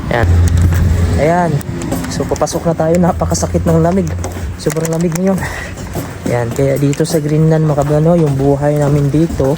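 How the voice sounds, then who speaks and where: A man's voice: fairly high pitch, fairly even intonation, moderate pace, pauses often. Filipino man, casual vlogger and dad, talkative; noisy phone audio. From Philippines. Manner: chatty, addressing viewers as countrymen. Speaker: vlogger and father. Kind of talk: casual vlog talk to viewers. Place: snowy outdoors, then indoors at home.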